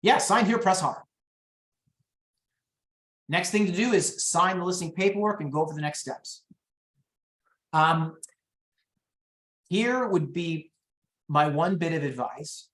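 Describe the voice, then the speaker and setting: A man running a real estate training webinar over a video call, telling lively stories and acting out quotes. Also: a little high, a little slow, pauses often, reverberant. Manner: lively storyteller, acts out quotes.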